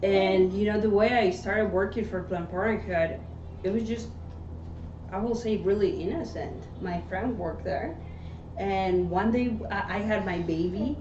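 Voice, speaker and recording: A woman's voice: medium pitch, unhurried, darkish tone. A woman from Mexico City, earnestly telling her story as an interview guest and tagging sentences with "right?". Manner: earnest, often adds "right?" tags. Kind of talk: personal testimony in conversation. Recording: echoey room, dull sound, faint hiss.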